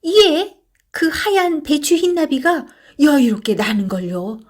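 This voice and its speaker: A woman playing a stammering excited clerk. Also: measured pace. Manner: stammering, breathless high-pitched delivery. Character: flustered male clerk, eager, stammering.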